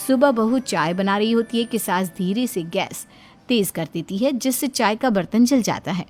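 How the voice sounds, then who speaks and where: Woman telling a story, mid voice, soft music behind. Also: medium pitch, moderate pace. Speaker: narrator. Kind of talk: scripted story narration.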